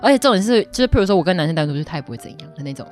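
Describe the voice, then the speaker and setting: 一位带台湾口音的女主持人，在轻松闲聊，说话直率爱调侃，常笑。. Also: female voice, lowish voice, animated, rapid-fire, a little mellow, faint music behind. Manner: teasing, frank, laughs a lot. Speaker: co-host. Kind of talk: casual chat.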